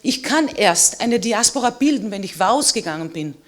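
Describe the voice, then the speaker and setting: A woman's voice: medium pitch, animated, moderate pace. A middle-aged woman, a native Slovene speaker, giving an emphatic and personal statement as a historian on a panel.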